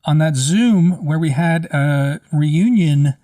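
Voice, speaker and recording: A man co-hosting a podcast, slightly hoarse as he loses his voice, rambling casually with many restarts, speaking very close to the microphone. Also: fairly high pitch, slow pace, mellow, no echo, distant mic. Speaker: podcast co-host. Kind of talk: casual conversation.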